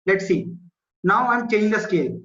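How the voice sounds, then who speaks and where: A man's voice: high voice, very animated, moderate pace, sharp tone, a little hiss or hum. A man with a South Asian accent teaching an online school maths class, explaining step by step, repeating himself and checking that students understand. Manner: repetitive, checks understanding with short questions. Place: indoor room, online video class. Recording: muffled, echoey online class audio.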